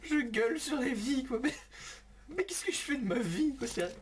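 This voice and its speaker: A man's voice: very high voice, very animated, moderate pace, a little hiss or hum. A man hosting a gaming video in casual commentary, laughing often and exclaiming while he types to a chatbot at his computer. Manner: giggly, exclaiming, talking to a chatbot.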